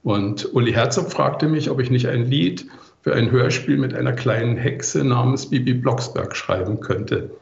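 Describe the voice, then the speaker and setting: Gravelly older man, dull roomy recording. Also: medium pitch, a little mellow. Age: 60s. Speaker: interview guest, composer. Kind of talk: reflective interview answers.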